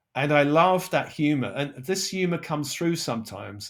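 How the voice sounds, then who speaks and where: In a southern English accent, a man with a fairly high voice speaks at a moderate pace on a very clean recording with a silent background. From England. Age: 60s. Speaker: spiritual guide. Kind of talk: interview.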